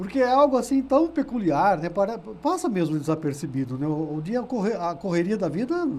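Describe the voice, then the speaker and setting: Talking at a fairly quick pace with hardly any pauses, a man uses a high pitch and very wide pitch swings. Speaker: interviewer. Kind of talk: interview.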